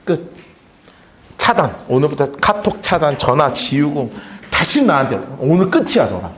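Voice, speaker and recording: A man's voice: on the high side, very animated, normal speed, fairly bright tone, a little hiss or hum, pitched below the performer's own voice. A pastor acting out a bitter betrayed man. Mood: resentful. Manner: curt, clipped dismissals.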